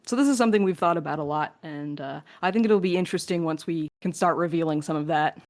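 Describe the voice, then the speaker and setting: A woman's voice: low-pitched, fast, darkish tone. A woman co-hosting a podcast, casually answering listener questions in a joking, casually sweary way. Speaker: podcast host and crew member.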